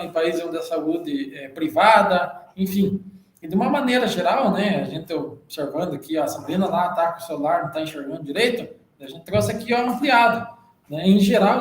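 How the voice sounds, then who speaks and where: High-voiced Brazilian man presenting a study. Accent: Brazilian Portuguese. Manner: explanatory, with frequent "né?" tag questions. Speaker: journal club presenter. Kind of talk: academic presentation. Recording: roomy echo.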